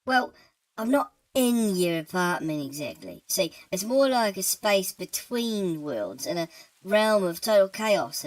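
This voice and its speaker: A woman voicing a tired, sardonic male demon with a British accent, deadpan and offhand. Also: on the low side, dry recording, lightly acted, low-quality recording.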